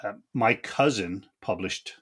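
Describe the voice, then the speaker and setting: A man's voice: lowish voice, slow, a bit bright, breathy edge. A man hosting a podcast, chatting casually and chummily with his guest. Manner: chummy, calls guest buddy and sir. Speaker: podcast host. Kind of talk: casual interview chat.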